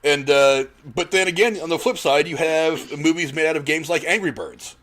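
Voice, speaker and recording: A man's voice: fairly high pitch, moderate pace, fairly bright tone. A man hosting a casual panel discussion, rambling a little as he talks at length. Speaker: podcast host moderating a discussion.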